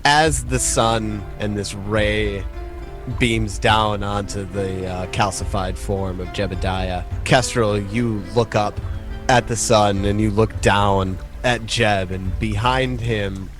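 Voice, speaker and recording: A man with a lowish voice narrates a tabletop game as its game master. He improvises descriptions casually and haltingly. Music plays clearly behind him. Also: fairly even intonation, fairly bright tone.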